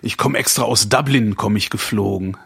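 Man, forties, podcast co-host, casual rambling chat, laughs a lot, husky. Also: lowish voice, moderate pace, fairly bright tone, no room sound, studio quality. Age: 40s. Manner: chatty, laughs often, rambling restarts.

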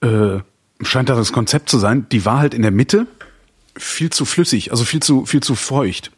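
A man's voice: medium pitch, animated, normal speed, breathy edge, no room sound, studio quality. A man in his forties co-hosting a podcast, chatting casually, rambling and laughing often. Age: 40s. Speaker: podcast co-host. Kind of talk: casual chat.

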